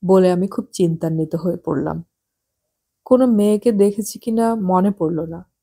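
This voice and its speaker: Calm, husky-toned woman narrating. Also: fairly low pitch. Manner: calm, measured storytelling. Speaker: audiobook narrator. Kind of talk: scripted narration.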